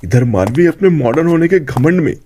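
A man narrating a cartoon moral story in an even storytelling delivery. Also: on the high side, fairly quick, slight background noise.

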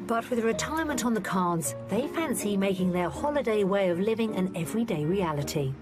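A woman giving scripted voice-over narration for a property show in a smooth, even way. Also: medium pitch, brisk, over music.

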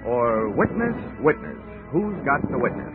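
A man's voice: mid-range voice, very animated, a little slow. An actor playing a wry, unflappable male insurance investigator in 1940s radio drama style, with dry wisecracks. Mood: wry narration. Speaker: lead actor and narrator of a radio detective series. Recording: muffled old 1940s radio recording, music.

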